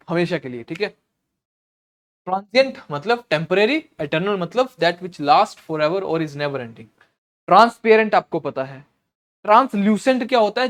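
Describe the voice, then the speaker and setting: Mixing Hindi and English, a man with a high-pitched voice works through exam vocabulary slowly. He says words more than once, frequently clears his throat, and keeps asking "okay" to check in.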